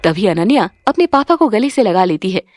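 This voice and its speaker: A woman narrating a moral story in a dramatic, expressive way. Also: mid-range voice, fairly quick.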